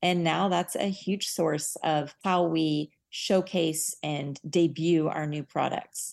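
A woman with an American accent speaks at a very slow pace and fairly low pitch with fairly even intonation, hardly any pauses, and a quiet background. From Texas, Dallas. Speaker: fashion accessories founder. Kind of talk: interview.

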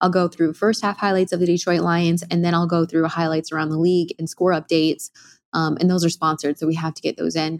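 A voice with an American accent races along at a very fast pace in a monotone, flat delivery. The sound is dry and close with no echo, on a very clean recording with a silent background. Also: woman. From Michigan, US Midwest. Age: 20s. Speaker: sports team reporter. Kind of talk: casual interview.

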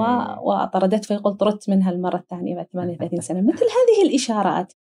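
Somewhat breathy, a woman speaks at a fairly high pitch and a moderate pace with a dark, mellow tone. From Saudi Arabia. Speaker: academic and writer. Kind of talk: interview.

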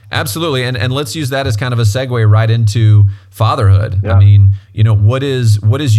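Amid noticeable background noise, a man talks at a fairly quick pace with a fairly low pitch. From US South. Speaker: podcast host. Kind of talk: casual interview chat. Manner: animated.

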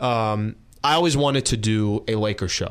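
Fairly slow delivery with lively intonation. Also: man. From US West Coast (El Cajon, San Diego). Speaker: sports radio host. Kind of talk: casual interview.

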